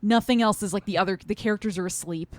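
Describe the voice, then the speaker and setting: A woman's voice: medium pitch, fast talker, a little mellow, no echo. A woman co-hosting a podcast, casually talking through a review in an agreeable, affirming way. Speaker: podcast co-host.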